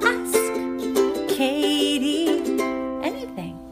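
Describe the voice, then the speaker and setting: Woman singing a slow high jingle over ukulele. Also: huge pitch swings, music in the background. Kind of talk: sung show jingle.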